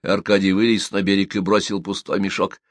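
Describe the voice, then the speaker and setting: A man narrating an audiobook with expressive storytelling in a dry, close recording. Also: sits low, a little fast, no room sound. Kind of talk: audiobook reading.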